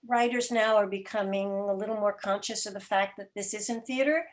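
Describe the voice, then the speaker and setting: A woman giving thoughtful, deliberate and articulate explanations as a producer being interviewed. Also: medium pitch. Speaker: guest, radio drama podcast producer.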